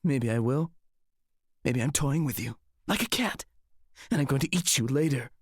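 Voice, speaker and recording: A volatile, lonely mage from a fantasy audiobook. The pitch swoops wildly from menacing mutters to wails, theatrical and bitterly mocking, in a dry close recording. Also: male voice, animated, moderate pace, no room sound. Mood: toying menace. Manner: theatrical, swinging from low menace to high wailing. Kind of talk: audiobook character acting.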